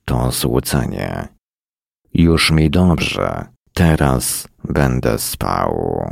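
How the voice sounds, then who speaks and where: A man reading a first-person story in a weary, deadpan manner at a close mic. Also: a bass voice, very slow, creaky, no echo. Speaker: narrator.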